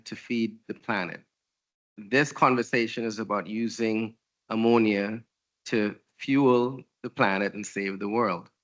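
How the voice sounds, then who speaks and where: A man from Trinidad and Tobago with a Trinidadian accent, speaking as a panelist on a conference stage in a measured, explanatory way. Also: fairly low pitch, a bit bright. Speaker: panelist, energy entrepreneur.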